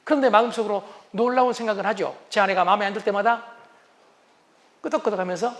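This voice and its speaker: Brief: male lecturer, very high for a man, lively storytelling delivery in a comedic talk. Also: fast. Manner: animated, acts out spouses' lines. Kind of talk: humorous lecture.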